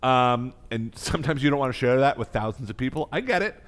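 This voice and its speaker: A man's voice: mid-range voice, expressive, a little fast. An American man hosting a live online cooking class as chef instructor, speaking with effusive, emphatic enthusiasm. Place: kitchen.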